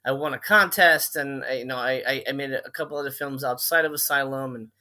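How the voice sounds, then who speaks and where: A middle-aged film director from Miami, Florida, chats casually as an interview guest, his talk full of fillers and restarts. His voice is medium-pitched, brisk, pushed and bright.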